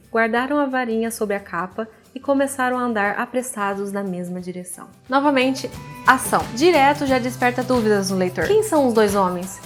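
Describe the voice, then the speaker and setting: A woman with a fairly high voice and a Brazilian accent with a pulled R hosts a writing lesson. She speaks directly and informally to the viewer, with faint music behind her. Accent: Brazilian Portuguese with a pulled R. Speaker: host of a writing advice series, author. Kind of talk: didactic video talk with read-aloud book excerpts.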